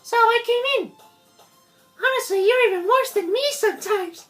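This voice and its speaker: A very high, squeaky schoolgirl, bubbly and airheaded. She is loud and excitable, like a game character, with faint music behind. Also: normal speed. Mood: cheerful teasing.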